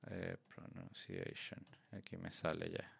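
A man's voice: low voice, very animated, takes it slowly, vocal fry, a bit bright, slightly rough. A man hosting a podcast, talking in a playful, joking, rambling way with lots of fillers. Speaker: podcast host. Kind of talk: casual chat.

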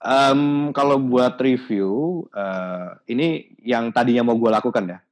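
A man in a casual podcast chat, explaining his advice thoughtfully with many pauses and restarts. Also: medium pitch. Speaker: podcast guest.

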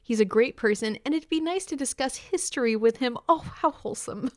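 A woman with a somewhat high voice co-hosts a fan podcast. Her delivery is breezy and playful, in easy banter and message reading. She is recorded dry and clean of echo. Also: animated, fairly quick. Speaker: podcast co-host.

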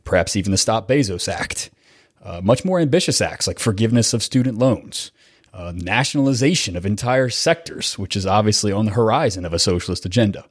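A podcast host with a cold opens his show with a casual intro monologue, rambling and chatty, full of fillers and self-corrections. His expressive voice is on the low side, stuffed up and nasal, and fairly quick, recorded in studio quality with no echo.

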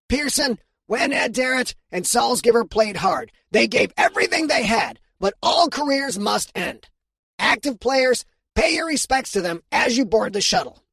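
A man reading an audiobook and voicing a tiny, gravelly alien football coach who speaks formally and solemnly. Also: sits high, a bit bright, dry recording, pitched above the performer's own voice, heavily acted. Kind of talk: audiobook character voice.

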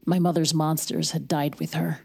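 Guarded, grieving young wife; low, somber audio-drama narrator. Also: female voice, little pitch movement, moderate pace, creaky, slight background noise. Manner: quiet, somber, reflective. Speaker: narrator and lead character.

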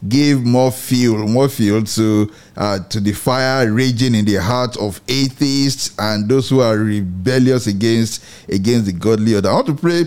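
A man in middle age hosts a Christian radio program with an earnest, measured delivery. He often restates a phrase before going on. His voice sits at an ordinary pitch for a man. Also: a little mellow. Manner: measured, earnest, repeats and rephrases words. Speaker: radio show host.

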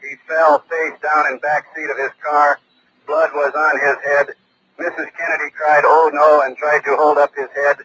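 A man speaking in terse, clipped radio procedure on an old crackly radio transmission recording, pausing with "uh" between phrases. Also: a little high, flat delivery. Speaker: military radio operator. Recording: hissy old radio recording, loud static.

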